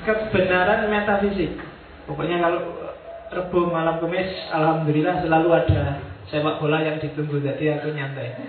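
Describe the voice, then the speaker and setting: A man giving a casual, joking lecture to a university class, speaking to the students directly. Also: a little high. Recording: distant mic, tinny, very echoey room.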